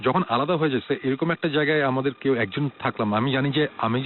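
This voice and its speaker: This is a man's voice, fairly high in pitch. It is an unremarkable speaking voice. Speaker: paranormal investigator, guest on radio show. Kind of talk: radio talk show guest conversation.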